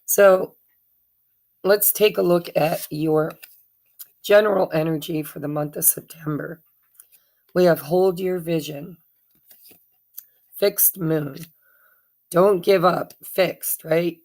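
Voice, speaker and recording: A woman with a hoarse voice from allergies, giving a casual tarot card reading in a chatty, meandering way with many fillers and self-corrections. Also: on the low side, slow pace, long pauses, a little mellow. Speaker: tarot reader.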